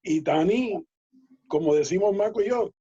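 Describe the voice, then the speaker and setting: A man, a guest telling lively baseball anecdotes in a casual interview, laughing and acting out quoted dialogue. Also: high voice, normal speed, breathy edge. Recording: dull lo-fi audio.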